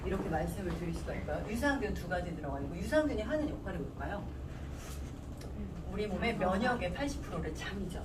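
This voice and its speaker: A woman's voice: fairly low pitch, lively intonation, quick pace. A woman giving an informal product lecture, teaching didactically, repeating key terms and quizzing her listeners. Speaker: product presenter teaching supplement ingredients. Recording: roomy, noisy recording from a distance.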